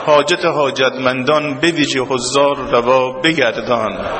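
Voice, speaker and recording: A man's voice: medium pitch, noisy background. Preacher man chanting in a reverberant hall. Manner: rising into wailing chant. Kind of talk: mourning sermon chant and prayer. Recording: long hall reverb, faint ambience.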